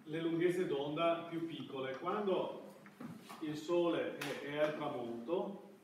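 Here a university lecturer, a middle-aged man, addresses his class in a voice on the higher side. He keeps breaking off and restarting mid-phrase to find the word he wants. The audio, taken by a far camera mic, is strongly reverberant with slight noise.

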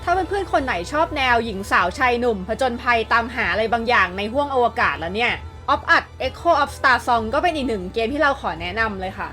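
A woman's voice: on the high side, animated, brisk, hardly any pauses, bright, forceful tone. A woman hosting a video list in an upbeat scripted narration, addressing viewers in a polite, friendly way. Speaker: video host presenting a game list. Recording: music behind the voice. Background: background music.

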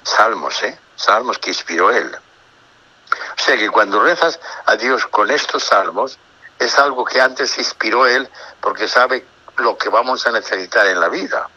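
A man who is a priest, giving an unhurried, reflective religious talk on the radio, reading psalms aloud and commenting on them, often hesitating and repeating words. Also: lowish voice, animated, pushed and bright, breathy edge, muffled recording. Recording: radio broadcast.

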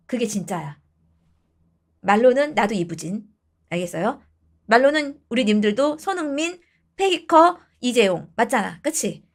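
A woman in her thirties giving blunt dating advice to her viewers in casual talk, switching between polite and informal speech. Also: on the high side.

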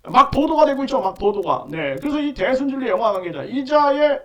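A man's voice: extremely high pitch, very animated, brisk, bright, forceful tone, distant mic, highs cut off. A man hosting his own channel, delivering an indignant monologue commentary full of repeated fillers. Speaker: online channel host.

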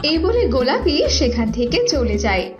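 A woman's voice: fairly high pitch, big pitch swings, moderate pace, muffled recording, over music. A woman narrating a scripted cartoon fairy tale as storyteller.

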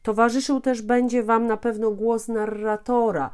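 A woman's voice: a little high, level tone, normal speed, darkish tone. A woman in her thirties giving an explanatory talk as a teacher, often repeating and rephrasing as she goes. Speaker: host, Polish language teacher. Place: small furnished room at home, indoors.

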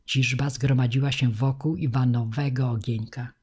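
A woman narrating an audiobook in a measured, expressive reading. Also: a bass voice, husky. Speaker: audiobook reader.

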